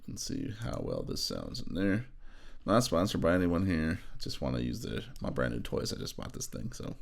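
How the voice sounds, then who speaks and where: Very deep-voiced man giving a casual tutorial. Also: wildly swooping pitch, moderate pace, gravelly. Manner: informal, thinking aloud while demonstrating. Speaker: audio engineer giving a software tutorial. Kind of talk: casual screen-recorded tutorial narration.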